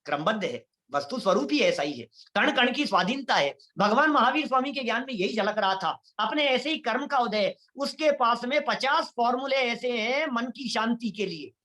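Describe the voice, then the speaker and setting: A man preaches a devotional Jain sermon with a bright, forward tone. He addresses listeners directly as "bhai sahab" and acts out the voices of people he quotes. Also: extremely high pitch, lively intonation, moderate pace, few pauses. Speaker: Jain lecturer. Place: online lecture series.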